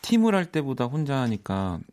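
Male music radio host, medium pitch, very varied intonation, casual interview style. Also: very animated, brisk, darkish tone. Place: radio studio. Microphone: studio microphone.

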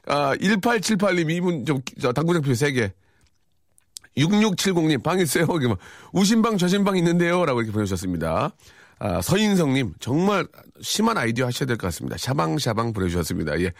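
A man's voice: mid-range voice, very animated, quick pace, creaky, dry recording, clean studio sound. A man hosting a radio show in casual chat, reading out listener messages with wry, chatty reactions.

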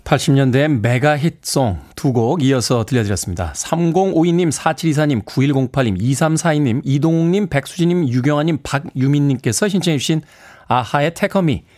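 A man's voice: on the high side, lively intonation, fairly quick, a little mellow. A man hosting a radio show from the studio, playful and laughing often as he talks with listeners. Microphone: studio microphone.

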